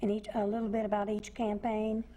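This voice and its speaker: A woman's voice: medium pitch, completely flat delivery, brisk, mellow. A middle-aged woman hosting a television interview, prompting her guest with simple, encouraging questions. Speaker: television show host. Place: indoor television studio.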